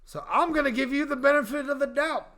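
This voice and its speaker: A man with a high, bright, forceful voice gives casual comic advice on a podcast. He is blunt and folksy, and he swears freely as he talks. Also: quick pace. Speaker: comedy advice podcast co-host.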